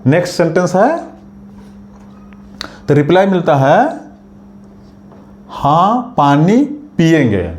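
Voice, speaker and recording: Slow, mellow-voiced man teaching a language. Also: fairly high pitch. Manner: slow, careful, repeats each phrase for learners. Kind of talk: spoken language lesson.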